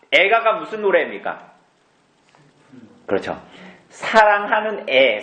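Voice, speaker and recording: A man's voice: high-pitched, a bit bright. A male pastor preaching an evening sermon, asking the congregation questions and answering them himself. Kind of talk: evening service sermon, Bible exposition. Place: church sanctuary. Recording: roomy church echo.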